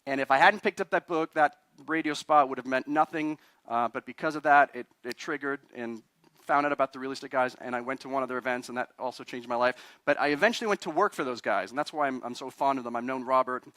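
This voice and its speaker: A man's voice: medium pitch, fast talker, pushed and bright, no echo. A man in his forties from Chile, an attorney giving a live talk to a meetup audience, chatty and self-deprecating, often quizzing the crowd. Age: 40s. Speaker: guest speaker, attorney.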